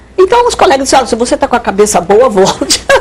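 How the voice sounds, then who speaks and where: A woman with a high pitch talks at a very fast pace. There is noticeable background noise. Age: 70s. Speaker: retired forensic doctor, spiritist speaker. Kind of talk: TV interview.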